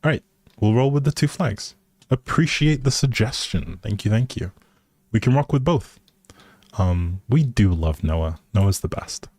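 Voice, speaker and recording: A man with a deep, low voice talks through a game livestream. He is unhurried and easygoing, thinking aloud as he goes. The sound is close and dry, with very little room. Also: lively intonation, darkish tone, no echo. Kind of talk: casual livestream commentary while playing a life simulation game.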